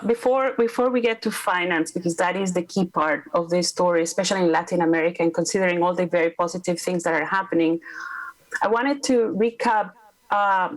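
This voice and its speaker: A woman's voice: medium pitch, rough recording. A woman with a Costa Rican accent, a native Spanish speaker, speaking emphatically and persuasively as a panelist. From Costa Rica. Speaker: panelist, climate advisor. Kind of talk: panel discussion remarks.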